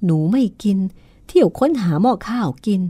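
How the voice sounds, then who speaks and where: A hoarse woman voicing a fussy, easily frightened old housekeeper in a horror novel read-aloud. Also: on the high side, sing-song, moderate pace, warm tone, no echo, soft background music, pitched above the performer's own voice. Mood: suspicious. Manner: shrieking for help in panic. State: hoarse from a cold.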